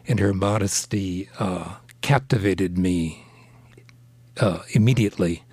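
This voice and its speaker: Hesitant man, slow and husky, low voice, pauses often to find words. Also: a little mellow, no echo. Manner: hesitant, many ums, clears throat. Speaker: translator. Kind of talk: radio interview.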